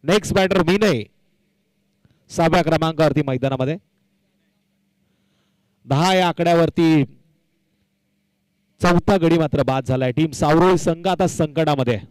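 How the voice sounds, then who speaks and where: A man's voice: fairly high pitch, a little slow, long pauses, darkish tone, clean tone, no room sound, rough recording. A man giving live commentary and announcements at a local cricket tournament, emphatic and fond of repeating phrases for effect.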